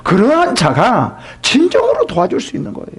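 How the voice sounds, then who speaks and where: Male pastor mid-sermon, lively pitch, gravelly, quizzes the congregation. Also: brisk. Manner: asks the congregation questions, drops to whispered asides. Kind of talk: sermon at a prophecy seminar.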